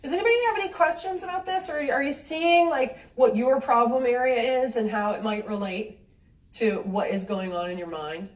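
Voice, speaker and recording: A woman giving a live talk to an audience, chatty and animated, acting out little quoted exchanges and laughing lightly as she talks. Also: a little high, normal speed. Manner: laughs lightly mid-sentence. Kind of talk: live lecture with audience questions. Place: cinema venue with an audience. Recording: roomy hall sound from a distant mic.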